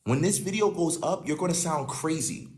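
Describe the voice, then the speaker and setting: A man with a husky voice argues in a combative, repetitive way, and his pitch swings widely. He sounds like he is hosting a live stream. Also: animated, normal speed. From United States. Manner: combative, repeats himself. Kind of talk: heated live stream argument.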